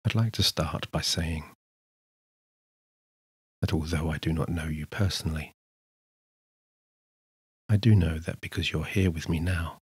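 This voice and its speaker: A man narrating a scripted sleep hypnosis session in a soothing, measured manner with unhurried pauses. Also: very deep voice, slightly rough, no room sound, clean studio sound. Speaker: hypnotist, guided meditation narrator.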